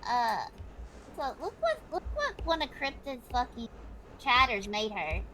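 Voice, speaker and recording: High, lively, bright-voiced woman. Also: a little slow, slight background noise, low-quality recording. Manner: high-pitched, calls own voice annoying; swears freely, chatty. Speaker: streamer. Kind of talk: casual chat.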